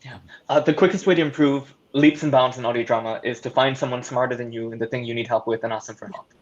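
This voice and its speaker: A man's voice: mid-range voice, steady tone, quick pace. A man speaking informally and somewhat hesitantly as a panelist, recorded over a dull online call. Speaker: panelist, audio drama producer. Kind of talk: casual panel discussion.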